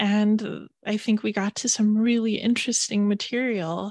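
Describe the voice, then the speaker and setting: A soft-spoken woman talks at a fairly high pitch. The background is quiet. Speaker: music industry story consultant. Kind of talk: casual interview chat.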